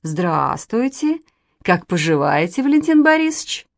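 A hearty, polite middle-aged gentleman, as a woman puts him on, full of friendly exclamations in a storybook reading. His voice rises and falls a lot and sounds dry and close. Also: fairly low pitch, big pitch swings, a little slow, creaky, no room sound, full character voice. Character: cheerful chess-club acquaintance, middle-aged man.

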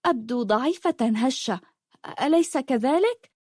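A woman voicing a dreamy sixteen-year-old girl who speaks of the sea in a soft, poetic way. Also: fairly high pitch, animated, normal speed, no room sound, clean studio sound, pitched above the performer's own voice.

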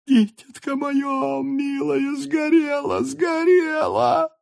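A desperate townswoman wails and pleads through sobs, her voice thrown high and shrill, done by a male reader. It sits close and dry in an audiobook, with no room around it. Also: flat delivery, slow pace, creaky, a little mellow, dry recording, raised voice, exaggerated voice. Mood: wailing. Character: desperate sobbing townswoman, middle-aged mother. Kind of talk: audiobook character voice.

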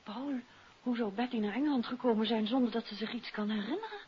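An actress playing a detective's curious, alert wife in a 1950s radio drama, inquisitive and earnest, with a Netherlands Dutch accent. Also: female voice, fairly high pitch, fast talker, slightly rough. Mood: puzzled, thoughtful. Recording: muffled, hissy old radio recording.

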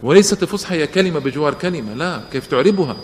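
A man's voice: fairly high pitch, lively intonation, rapid-fire. A man giving a public lecture and answering questions, emphatic, with rhetorical questions and repetition for stress. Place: lecture hall. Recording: lecture hall with echo and faint noise.

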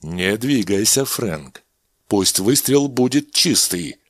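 A man doing a cold, calm doctor. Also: lowish voice, no room sound, studio quality. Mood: menacing. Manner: measured, clipped, commanding. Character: cold, calm male doctor, quietly menacing.

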